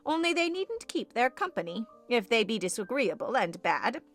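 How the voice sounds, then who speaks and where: A protective, sensible housekeeper from a storybook, voiced by a woman. She speaks in a fairly high voice. She gently admonishes and soothes, staying firm throughout. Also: sing-song, normal speed, faint music behind. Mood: soothing. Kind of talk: audiobook character voice.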